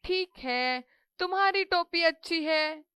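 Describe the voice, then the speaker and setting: Woman doing a sly calm king in a kids cartoon, slow and patient, high bright voice. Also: dry recording, heavily acted.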